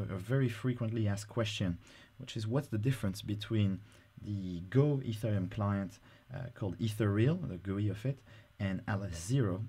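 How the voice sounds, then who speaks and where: Brief: male presenter, low mellow voice, relaxed screen-recording tutorial delivery with filler words. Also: husky. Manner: casual, explanatory, frequent "uh" fillers.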